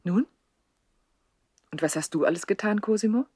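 An actress playing a haughty, coquettish young widowed princess in a 1960s German radio play, imperious and teasing in a theatrical way. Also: female voice, mid-range voice, moderate pace, warm tone, slightly rough, dry recording, clean studio sound, natural voice. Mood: haughty, flippant.

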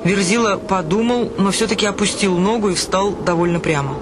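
High-pitched male radio drama narrator. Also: fairly quick, background noise. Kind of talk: scripted literary narration in a radio play. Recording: clear music behind the voice. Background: music.

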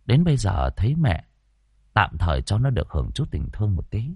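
A man voicing a calm, gruff young ghost-hunter who speaks low and steady in a storybook reading. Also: no room sound, full character voice. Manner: low, unhurried, dry reassurance.

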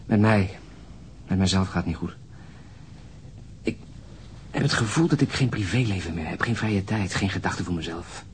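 A man plays an exhausted police detective in a naturalistic radio drama. His voice sits very deep, and he speaks in terse, halting, gloomy phrases. Faint noise runs under the recording. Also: lightly acted. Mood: dejected.

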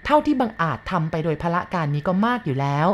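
A woman narrating a first-person story in a steady, unhurried reading voice. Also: lowish voice, highs cut off, slight background noise.

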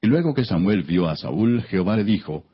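Deep raspy guy doing solemn measured bible narration, declamatory, kinda muffled lo-fi audio. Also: lively intonation. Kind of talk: solemn scripted biblical narration.

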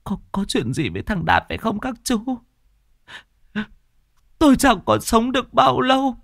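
A man's voice: very high-pitched, wildly swooping pitch, moderate pace, vocal fry, a bit bright, no room sound, clean studio sound, voice pushed up, exaggerated voice. A man voicing a frail old woman who anxiously begs police for help in a quavering voice. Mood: anxious pleading. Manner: quavering, imploring. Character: frail old mother, fearful and imploring.

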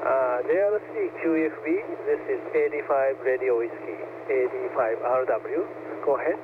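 A man with a Japanese accent answers a call over a tinny, noisy shortwave radio transmission. He speaks in measured, formal radio phrasing. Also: medium pitch. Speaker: radio show director answering a demo call. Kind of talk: scripted ham radio exchange in English. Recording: tinny radio band with static.

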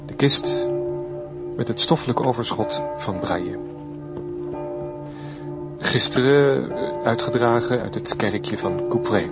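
A male actor in a radio play as a solemn reporter giving measured live commentary on a procession, with small hesitations. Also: mid-range voice, natural voice. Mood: solemn, stately. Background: church bells, music.

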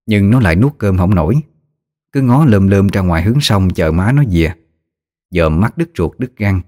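A man narrating a ghost story in a steady, somber storytelling manner. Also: low-pitched, moderate pace.

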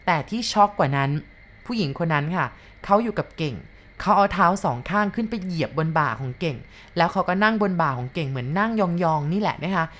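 A woman's voice: deep voice, expressive, quick pace, fairly bright tone. A woman narrating a ghost story to her listeners in a polite, storytelling manner.

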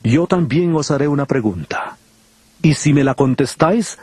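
An actor playing Jesus as a solemn, authoritative teacher in a dramatized scripture recording, speaking in a declamatory way. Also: male voice, a little high, lively intonation, normal speed, darkish tone, breathy edge, no room sound. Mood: firm, teaching.

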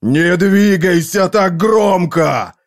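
A maddened burning man cries out in a loud, rough, dragged-out voice, as a male reader puts him on. He sounds unhinged and sharp. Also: medium pitch. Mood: pained. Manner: loud, frantic, drawn-out shouting. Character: deranged burning man, pained by light and sound.

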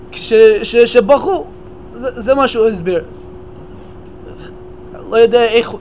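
A man with a raised, fairly high voice delivers a Torah lecture at a memorial gathering. He builds his explanation step by step, repeating and restarting words as he thinks. A faint background hum sits under the speech.

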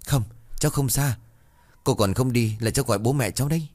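A man's voice: medium pitch, fairly quick, a little mellow, pitched above the performer's own voice, natural voice. Man playing a frightened schoolgirl. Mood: pleading. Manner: pleading. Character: frightened schoolgirl, timid and pleading.

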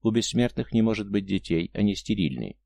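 A man reading the part of an immortal young princess, bored, cruel and teasing, with a soft murmuring delivery. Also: fairly low pitch, expressive, brisk, vocal fry, no echo. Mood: bitter.

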